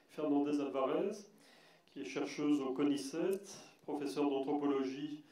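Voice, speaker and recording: A man moderating a panel introduces the next speaker, hesitating often and filling pauses. His voice is mellow. The sound is very echoey and taken from far off in a big hall. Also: fairly high pitch. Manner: hesitant, many fillers. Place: large hall on a stage.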